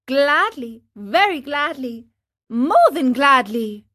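A woman reading an audiobook, voicing an eager, mischievous wooden puppet boy who talks in a high, pleading way. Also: sing-song, takes it slowly, fairly bright tone, full character voice. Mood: overjoyed.

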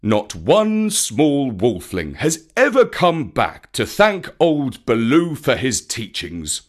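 A man's voice: huge pitch swings, full character voice. A man voicing a big old brown bear, a stern but tender teacher with a weighty, emphatic, old-fashioned way of speaking in a storybook. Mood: grumbling. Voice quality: rumbling, weighty. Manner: slow, emphatic, archaic storybook speech.

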